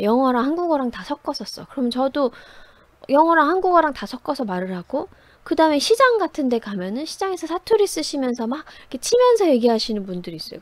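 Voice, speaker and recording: A woman teaching a writing class, telling personal stories in a lively, conversational way, often laughing as she goes. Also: sits high, no echo. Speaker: writing instructor.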